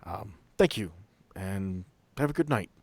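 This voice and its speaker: A man's voice: low-pitched, lively intonation, measured pace, darkish tone, dry recording. A man hosting a podcast, apologizing earnestly and then chatting casually with friends about movies. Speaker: podcast storyteller. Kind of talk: casual chat.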